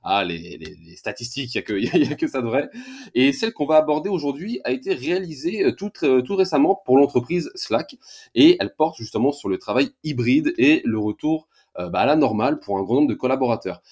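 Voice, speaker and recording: Male radio host, steady and measured, level pitch, presenting statistics. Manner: measured, reads figures clearly.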